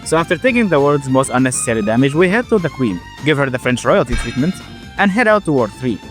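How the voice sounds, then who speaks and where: A young man who stutters often, narrating and reacting loudly to a game he is playing, casual and swearing. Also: medium pitch, very animated, quick pace, soft background music. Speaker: gaming YouTuber. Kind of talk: game commentary with voice-over narration.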